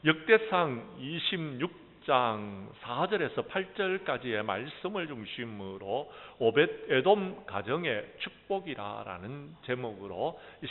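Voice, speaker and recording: A pastor preaching a sermon with earnest storytelling and often addressing his listeners. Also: medium pitch. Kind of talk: sermon with folk-tale storytelling. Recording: echoey hall, phone-like sound.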